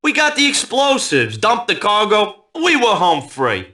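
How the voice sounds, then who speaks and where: Brash, very animated streetwise mobster. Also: male voice, high voice, measured pace, exaggerated voice. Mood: excited bragging. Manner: slangy, swaggering storyteller. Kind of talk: crime video game voice acting.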